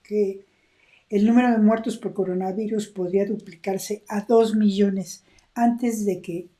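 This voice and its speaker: Dark-voiced woman reading news. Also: medium pitch, fairly even intonation, measured pace.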